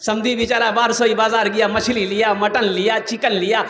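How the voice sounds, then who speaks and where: A man preaching a sermon, animated and joking, calling on the crowd to answer him. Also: high-pitched, moderate pace. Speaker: maulana preacher. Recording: echoey hall with long reverb.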